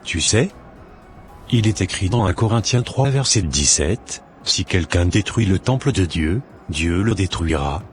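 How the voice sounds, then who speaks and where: Deep-voiced, earnest Christian big brother acted by a man. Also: expressive, faint music behind. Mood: earnest, exhorting. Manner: didactic, measured, preachy. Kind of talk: scripted cartoon dialogue, expository.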